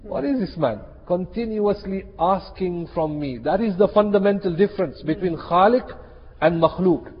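Muffled echoey hall, guy giving an islamic sermon, bit raspy, emphatic, repeats his points. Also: sits high, expressive, normal speed. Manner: emphatic, repeats key phrases, mixes in Arabic and Urdu phrases. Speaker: Muslim preacher. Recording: muffled, reverberant hall sound.

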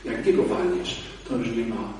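A man, a priest and exorcist, giving a lively, conversational talk to a church audience, shifting between loud emphasis and low asides. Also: moderate pace, a little hiss or hum. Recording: echoey hall, mic far off.

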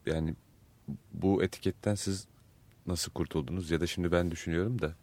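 A man's voice: low-pitched, fairly even intonation, brisk, a little mellow. A man hosting a radio interview, asking thoughtful, probing questions. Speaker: radio host. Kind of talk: casual interview.

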